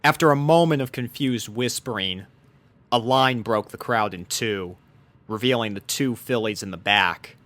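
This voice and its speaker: A man's voice: medium pitch, moderate pace, a bit bright. A man reading a fan fiction story aloud as its narrator, in scripted storybook narration. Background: background music.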